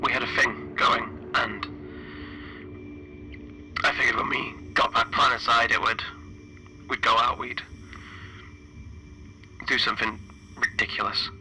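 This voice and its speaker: A stranded spaceship engineer, acted by a man, weary and grieving as he records a horror game log. His voice is very bright and tense, with a flat, narrow pitch. He speaks haltingly, leaving heavy pauses, over a faintly noisy radio-like recording. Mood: wistful, bitter. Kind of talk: in-character audio log for a solo horror tabletop game.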